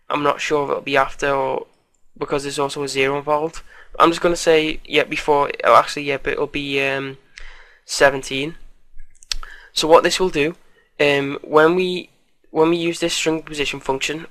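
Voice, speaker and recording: A young man explains code in a relaxed, chatty tutorial, his voice croaky from a cold. It sits a little high and bright, with a fairly flat, even melody. He talks into a desk mic. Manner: casual, chatty, with fillers and asides. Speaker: programming tutor. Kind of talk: screen-recorded coding tutorial.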